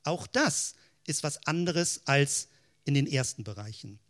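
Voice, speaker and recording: A man's voice: on the high side, expressive, measured pace, fairly bright tone. A man giving a theological teaching talk, explaining step by step in keyword lists and asking rhetorical questions. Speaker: Christian teacher.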